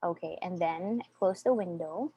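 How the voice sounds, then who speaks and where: A woman's voice: lowish voice, a little slow, mellow, breathy edge, rough recording. Filipino woman teaching voice over a call. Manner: patient, many fillers and restarts, steps through instructions. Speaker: online voice teacher. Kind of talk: guiding a one-on-one online voice lesson. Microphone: video call.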